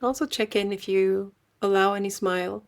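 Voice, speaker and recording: Woman softly guiding a meditation. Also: mid-range voice, fairly even intonation. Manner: gentle, unhurried, with long pauses. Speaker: meditation guide and host. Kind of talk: guided meditation.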